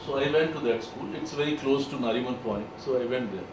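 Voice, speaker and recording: A man's voice: medium pitch, a little mellow, a little hiss or hum. Emphatic man in echoey room. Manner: opinionated, emphatic, with pauses. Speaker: panel discussant. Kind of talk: discussion in a group session. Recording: echoey room, distant mic, faint background.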